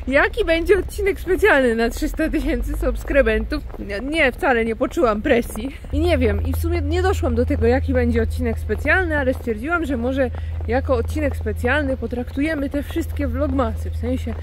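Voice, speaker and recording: Wysoki głos, polka vlogerka gada do telefonu w wyciągniętej ręce, lekki szum ulicy. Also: female voice, high voice, low-quality recording. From Poland. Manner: chatty, playful, self-ironic. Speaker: vlogger. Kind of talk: casual vlog chat. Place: snowy city streets outdoors, under an umbrella. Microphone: phone held at arm's length. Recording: faint street noise and passing cars.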